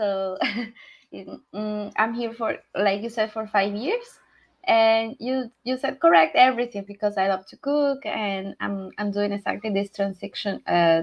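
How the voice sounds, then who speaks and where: A fairly slow pace with a Spanish accent. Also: woman, medium pitch for a woman, ordinary pitch variation, big swings in loudness. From Peru. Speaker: community member, marketing professional. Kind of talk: casual panel introduction on live stream. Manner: halting, many fillers.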